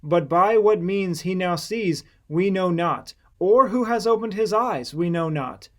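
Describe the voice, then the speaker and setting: Male narrator as cautious, evasive parent, defensive, pitched up, Bible audiobook. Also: unhurried. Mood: guarded, anxious.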